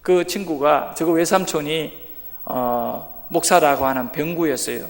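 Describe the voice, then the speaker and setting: A man preaching an early-morning sermon, telling a personal story in a lively way and acting out what others said. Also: fairly high pitch, measured pace, gravelly. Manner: lively storyteller who acts out quoted speech. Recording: long hall reverb.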